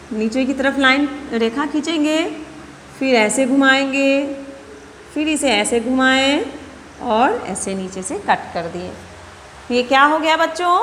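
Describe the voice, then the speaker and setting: A woman's voice: sits high, a bit bright, big-room sound, slight background noise. A woman teaching young children to write letters, patiently repeating each step and asking them questions. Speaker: nursery teacher.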